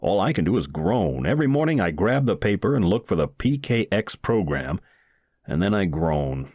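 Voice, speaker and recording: A man's voice: low voice, very animated, moderate pace, a little mellow, no room sound. A man reading a humorous first-person short story aloud in the manner of a wry storyteller. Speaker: audiobook reader.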